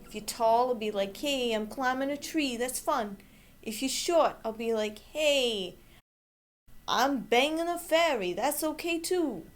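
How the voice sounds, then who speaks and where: A woman's voice: high voice, lively intonation, a little slow. A woman playing an earthy, eager, plain-spoken red-blooded man in a comic monologue. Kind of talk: comedic character monologue.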